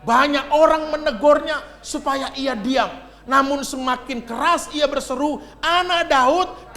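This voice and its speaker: A man preaching a sermon, leading the congregation in reading aloud and acting out the shouting voices in the story. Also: extremely high pitch. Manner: calls on the congregation to read along and answer.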